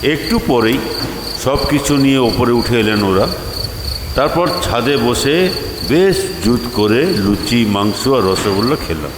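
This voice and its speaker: A man's voice: mid-range voice, lively intonation, unhurried. A man narrating a dramatised first-person story, expressively acting out its dialogue. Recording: noisy track with cricket and insect sounds.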